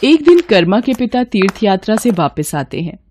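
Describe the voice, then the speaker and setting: A woman narrating a scripted devotional story in an even, clear storytelling voice. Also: medium pitch, moderate pace. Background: faint background music.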